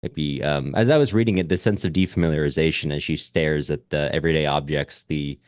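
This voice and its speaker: A man co-hosting a reflective literary discussion, speaking in a halting, thoughtful way as he searches for his words. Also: rumbling low, no room sound, clean studio sound. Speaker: podcast co-host.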